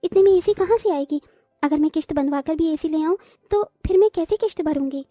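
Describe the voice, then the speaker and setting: Woman doing a poor cartoon village girl, squeaky high, mellow, earnest. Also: fairly quick, dry recording, faint music behind, lightly acted. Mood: worried. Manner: earnest, pleading. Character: poor clever teenage village daughter. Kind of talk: cartoon voice acting.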